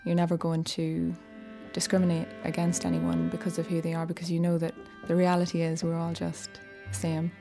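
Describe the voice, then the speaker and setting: A woman in her thirties from Northern Ireland with a Northern Irish accent, telling her own life story in a relaxed, reflective, conversational way. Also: lowish voice, a little fast, vocal fry. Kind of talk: personal story narration. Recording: soft music behind.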